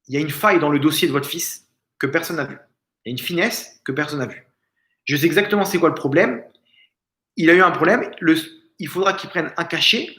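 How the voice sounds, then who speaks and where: Man telling a story, echoey room. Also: on the high side. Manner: animated storytelling, acting out quoted speakers. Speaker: rabbi. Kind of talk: Torah lesson told as a story. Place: family home.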